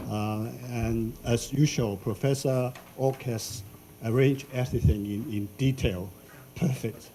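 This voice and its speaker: An older man from Hong Kong giving an academic symposium talk in a lecture hall, unhurried, with frequent fillers and restarts. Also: mid-range voice, mellow, slight background noise.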